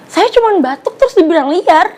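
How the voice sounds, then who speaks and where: A young woman in her twenties from Palembang talks with a bright, high voice. She is sassy and exasperated, snapping back at every question in a comic sketch. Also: expressive, fairly quick, background noise. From Palembang, Indonesia. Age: 20s. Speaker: comedy YouTuber. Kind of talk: comedic sketch.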